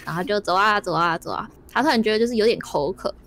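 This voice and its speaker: A woman, a streamer improvising a story in a board game, giggly and animated. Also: mid-range voice, quick pace, a little hiss or hum.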